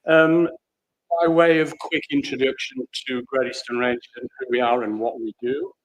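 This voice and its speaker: A man from Australia with a big booming voice, giving a measured, plain-spoken talk on stage into a microphone in a large theatre. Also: steady tone, rough recording. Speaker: conservation program leader.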